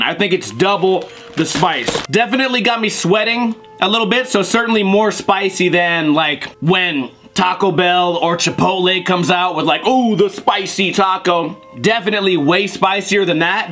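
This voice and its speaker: A man's voice: high-pitched, bright, forceful tone. Blunt young man reviewing noodles. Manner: blunt, crude, jokey. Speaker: host. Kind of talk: casual food review vlog. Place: living room, on a couch.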